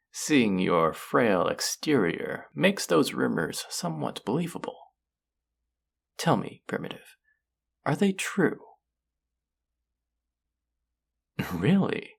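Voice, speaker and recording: An actor playing a haughty, mocking, cultured alien buyer in an audio roleplay, speaking to the listener in a deliberate, condescending, theatrical way. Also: medium pitch, creaky, slightly rough, heavily acted. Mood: curious mockery.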